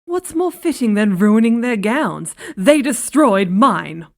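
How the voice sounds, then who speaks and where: A woman's voice: on the high side, expressive, slow pace, gravelly, a little mellow, exaggerated voice. A woman playing a haughty, spiteful queen in a fantasy audio drama, with an imperious, dramatic delivery.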